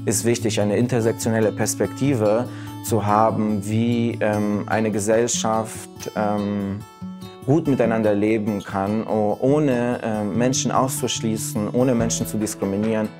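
Low-voiced man, thoughtful and halting. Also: steady tone. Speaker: scholarship holder. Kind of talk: interview answers. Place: studio against a colored backdrop. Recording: guitar music underneath.

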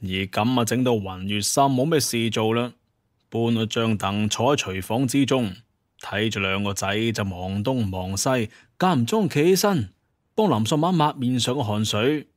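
A man's voice: medium pitch, moderate pace, no room sound. Male storyteller, dry close recording. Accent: Hong Kong or Guangdong Cantonese. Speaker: narrator. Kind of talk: colloquial scripted story narration.

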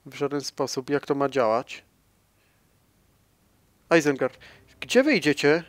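A man commentating his own strategy gameplay, thinking aloud, addressing viewers and swinging between soft mumbling and sudden loud exclamations. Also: medium pitch, lively intonation, unhurried, dry recording. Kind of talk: casual let's-play commentary.

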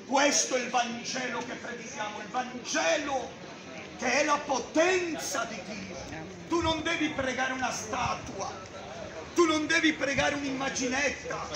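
High-voiced man preaching loudly in a street. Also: measured pace. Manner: loud, declaiming, gesturing with a Bible. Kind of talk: open-air street preaching. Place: busy town street outdoors. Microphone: far camera. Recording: echoey street with crowd noise. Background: crowd and passers-by.

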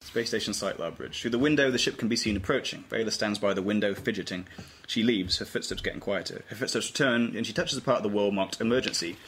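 A man's voice: fairly low pitch, fast, fairly bright tone. A man narrating scripted stage directions aloud at an informal table read. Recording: noisy amateur room recording, clicks.

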